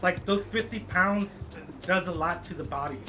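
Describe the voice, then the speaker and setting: A man in his late thirties, a streamer casually chatting with viewers while cycling and gaming, rambling and halting with many fillers. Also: high voice, music in the background. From United States.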